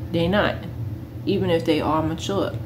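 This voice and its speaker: A woman speaks with very wide swings in pitch over noticeable background noise. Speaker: YouTuber and parent. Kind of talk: casual vlog monologue. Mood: earnest, critical. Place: home room. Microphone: phone near.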